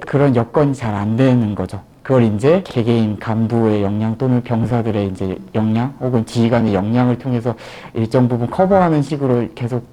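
A man interviewed as a former military logistics staffer, his voice disguised by a deep pitch shift, explaining things step by step in casual talk. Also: dark tone, low-quality recording.

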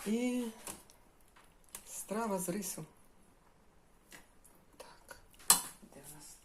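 Slow-talking older woman chatting in the kitchen. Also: medium pitch, expressive, mellow, a little hiss or hum. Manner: chatty, homely, talks to viewers as girls. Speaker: cooking vlogger. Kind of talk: casual cooking vlog.

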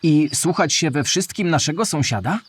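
An inquisitive young boy animal in a children's animated radio play. The delivery swings widely in pitch, with a husky edge, and sounds earnest, polite and eager to learn. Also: normal speed. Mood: curious.

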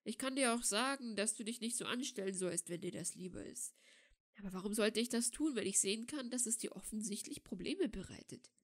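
A patient, earnest young man with a soft, pleading way of talking, read by a woman for an audiobook. His voice sits at a middling pitch. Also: fairly quick, natural voice. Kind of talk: audiobook reading.

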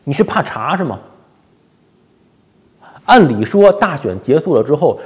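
一位四十多岁、带北方普通话口音的男性，用口语化的方式做时政评论，常用反问和“对不对”之类的追问。. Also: male voice, mid-range voice, a little mellow. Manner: colloquial, rhetorical questions, frequent tag questions. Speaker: commentator, host of a daily show. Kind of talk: informal political commentary. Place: small indoor home office. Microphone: lapel.

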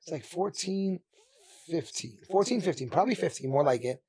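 Surrounded by sneakers in an indoor studio, a thirty-something Indian guest who owns a sneaker store recounts his story in a candid, lively casual interview, punctuated by quick laughs. He uses a mounted podcast mic and headphones, and his voice is a little high and slightly rough.

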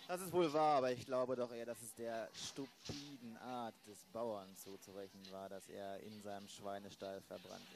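A man acting an unhurried, wry older police inspector in an amateur radio play, formally polite. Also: fairly low pitch, steady tone, close to an everyday voice. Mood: measured, wry.

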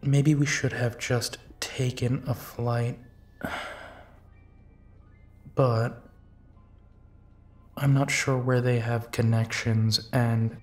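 Slow-talking, weary werewolf detective played by a man. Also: mid-range voice, darkish tone, natural voice. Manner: musing, sighing, unhurried. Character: big, weary, protective male werewolf detective. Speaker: voice actor in audio roleplay. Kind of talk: audio drama monologue, intimate and conversational.

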